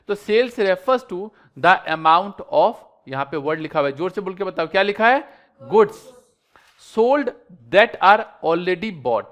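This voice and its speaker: A man's voice: high voice, a bit bright. A man teacher giving an accounting lesson, asking questions and answering them himself, with English terms mixed in. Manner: repeats questions and has students answer; mixes English terms into his speech. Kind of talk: classroom lecture.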